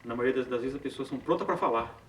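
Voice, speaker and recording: A man's voice: medium pitch, racing. A man leading an informal Bible study, talking conversationally and often tagging on short questions. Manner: conversational, frequent tag questions, self-corrections. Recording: far from the mic in an echoey room with faint background noise.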